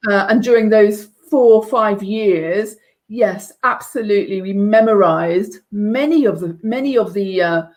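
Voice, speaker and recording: A woman of about fifty tells her life story as an interview guest, in an earnest, measured way. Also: mid-range voice, darkish tone. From England. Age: around 50. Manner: earnest, measured, with some restarts. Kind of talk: personal testimony in conversation.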